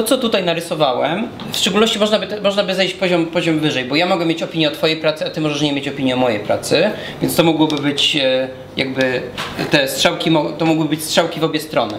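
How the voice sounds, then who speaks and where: A man in his thirties giving a talk at a whiteboard, explaining step by step while he draws, often restarting his words, recorded by a far camera in a small brick room. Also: fairly high pitch. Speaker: guest speaker. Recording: echoey room from far off, noisy.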